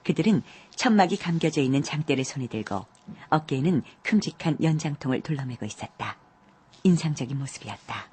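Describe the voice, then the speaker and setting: A woman narrating a classic story audiobook in a measured, calm way, with a husky voice. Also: deep voice.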